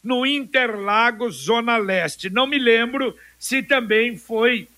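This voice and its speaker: A man's voice: very high voice, slow, pushed and bright, no room sound. A man presenting weather and local news informally on radio, with conversational asides.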